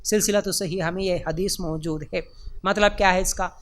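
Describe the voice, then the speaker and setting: A man preaching, his voice pitched strikingly high for a man and notably clear and smooth. He drives his points home by repeating them and asking rhetorical questions. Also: fairly even intonation, a bit bright. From India. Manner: emphatic and repetitive, with rhetorical questions. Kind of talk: religious lecture.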